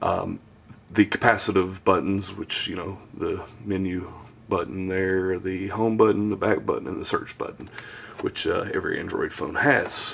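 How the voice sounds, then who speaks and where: Over noticeable background noise, a man with a Southern US accent talks at a moderate pace. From US South. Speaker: tech reviewer. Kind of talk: product review demo. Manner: casual, with frequent fillers.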